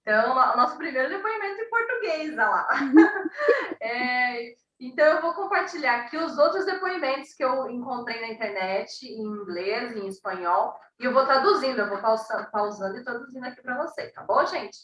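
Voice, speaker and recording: A woman hosting a live chat, warmly affirming her guest with frequent fillers and translating testimonies. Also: high voice, animated, moderate pace, roomy sound, recorded from a distance, rough recording. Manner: encouraging, lots of affirming fillers. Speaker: host.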